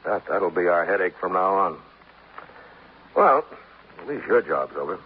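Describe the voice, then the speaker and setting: A gruff, deep-voiced police lieutenant. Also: male voice, big pitch swings, a little slow. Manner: brusque and plain-spoken. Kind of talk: 1950s radio acting. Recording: tinny, lightly hissy old radio broadcast.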